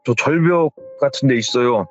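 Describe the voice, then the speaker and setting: A man's voice: medium pitch, moderate pace, highs cut off, faint music behind, natural voice. A man voicing a confused young male employee who stammers and answers deferentially. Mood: flustered.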